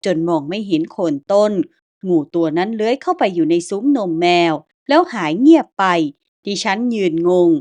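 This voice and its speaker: A woman storyteller reading a first-person ghost story in scripted narration. She speaks slowly and in a measured way. Her voice sits at a middle pitch for a woman. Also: very animated, a little mellow.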